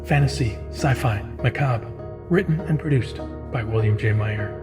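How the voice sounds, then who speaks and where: A man's voice: medium pitch, normal speed. A man giving dramatic scripted trailer narration, with guitar music behind his voice. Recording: slightly distant, loud guitar music behind.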